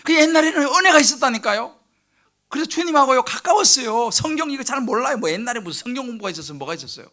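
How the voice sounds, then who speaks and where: Man, pastor, sermon, very high pitch, lively swings, loud to near-whisper. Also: very fast. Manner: animated storytelling, acts out quoted prayers and crying. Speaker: senior pastor. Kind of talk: sermon at a midweek service. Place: church sanctuary.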